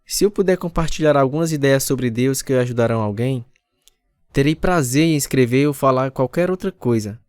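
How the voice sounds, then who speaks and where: A man's voice: medium pitch, a little fast, a little mellow, clear, resonant tone, no echo, studio quality, close to an everyday voice. A man with a Brazilian accent playing a devout, grateful retired teacher in a radio drama, speaking earnestly. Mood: calm, devout. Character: devout retired special education teacher, grateful older husband. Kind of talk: radio drama acting with first-person narration.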